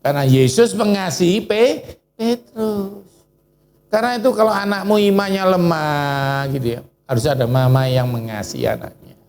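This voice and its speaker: In the lively style of Indonesian churches, a man preaches a sermon, questioning the congregation and calling on a reader. His voice is high and his pace moderate.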